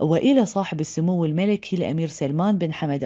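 At a moderate pace over a quiet background, a woman speaks with a very deep, low pitch and a dark, mellow tone. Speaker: guest. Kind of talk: formal phone interview statement. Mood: formal, congratulatory. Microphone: phone line.

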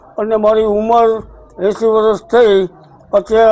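Against noticeable background noise, a man talks at a high pitch in a monotone, flat intonation. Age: 80s+. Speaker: folk dholak player. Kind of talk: interview. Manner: halting.

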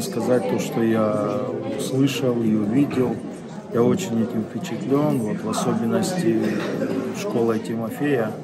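A man's voice at a fairly slow pace over loud background noise. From North Ossetia, Russia. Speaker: church leader visiting seminar. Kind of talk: interview. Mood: warm, impressed. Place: hall. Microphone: phone near.

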